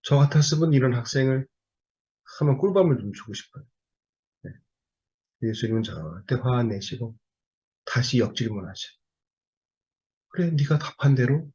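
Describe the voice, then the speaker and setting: A man preaches a sermon in a husky, slightly breathy voice, driving his points home with one rhetorical question after another to the congregation. The recording sounds a little dull and lo-fi. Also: lowish voice, a little mellow.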